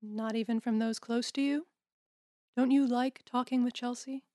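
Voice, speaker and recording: A woman plays a caring female campus counsellor in an audio drama. Her voice sits a little high and is closely recorded without room sound. She speaks in a measured, gently probing way. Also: fairly even intonation, no room sound, clean studio sound, lightly acted. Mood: calm, probing. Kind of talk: audio drama acting, naturalistic dialogue.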